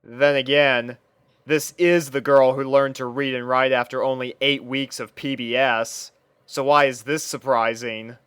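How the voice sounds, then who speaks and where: A man narrates a scripted fan story in the first person. His voice is smooth and clear, with a conversational storytelling manner. The recording is dry, with little room sound. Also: mid-range voice, level tone, measured pace, a bit bright, no echo. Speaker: narrator and reader playing the first-person lead.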